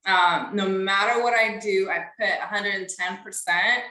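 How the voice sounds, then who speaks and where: A woman's voice: mid-range voice, moderate pace, bright, forceful tone, reverberant, rough recording. A young woman from Ethiopia, a podcast guest, answering interview questions in an earnest, casual way with frequent fillers.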